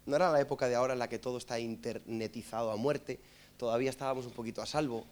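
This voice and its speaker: A man with a Madrid accent preaching through a funny story, animated and joking, asking listeners for amens. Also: medium pitch, very fast. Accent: Madrid Spanish. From Spain. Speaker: preacher and musician. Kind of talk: humorous storytelling sermon.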